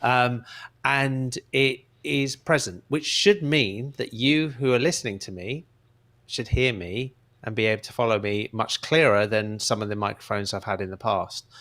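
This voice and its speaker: Loud and bright, with a sharp tone, a man speaks at a medium pitch with lively intonation and a moderate pace. The recording is very clean, with a silent background. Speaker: audio tech guest. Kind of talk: casual chat. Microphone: radio broadcast microphone, close and present.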